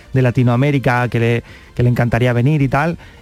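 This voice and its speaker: Music plays in the background as a man talks very fast at medium pitch with monotone, flat intonation. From Andalusia, Carmona (Seville). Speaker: novelist. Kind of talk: interview.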